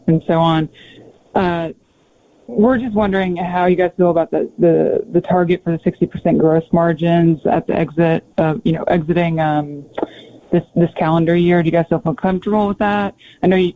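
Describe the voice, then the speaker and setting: A man asking polite, halting questions as a financial analyst on a conference call by telephone. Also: fairly high pitch. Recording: narrow tinny phone line.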